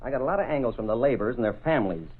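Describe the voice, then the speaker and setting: An actor playing a brash ace newspaper reporter in a 1930s radio drama, brisk and persuasive, on a tinny old broadcast. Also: male voice, medium pitch, expressive, husky.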